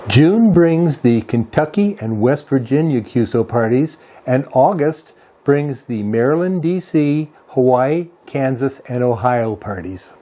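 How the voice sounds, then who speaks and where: A man narrating an instructional walkthrough as a video host, in a measured, explanatory way. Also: medium pitch, animated, dark tone. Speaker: ham radio video host. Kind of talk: instructional narration, walking through a website.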